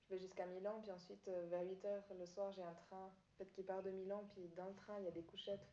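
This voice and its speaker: A young woman whose first language is Italian answers an interviewer's questions, pausing often and restarting her sentences. Her voice is mellow and fairly flat in tone, set in an echoey room. The recording sounds dull and slightly lo-fi. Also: medium pitch, a little hiss or hum. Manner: hesitant, many fillers and restarts. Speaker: student teacher.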